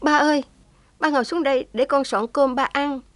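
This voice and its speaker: A woman's voice: high voice, fairly even intonation, normal speed, no room sound, pitched above the performer's own voice, lightly acted. A woman voicing a young heroine who is daring and tender, pleading with feeling. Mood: tender, tearful. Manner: impassioned, tearful pleading.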